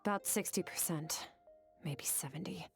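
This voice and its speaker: A woman voicing a cool, aloof swordswoman in a video game, terse and matter-of-fact, with a deadpan delivery. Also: fairly low pitch, moderate pace, vocal fry, in a whisper, music in the background. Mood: terse, dissatisfied. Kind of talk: video game character voice acting.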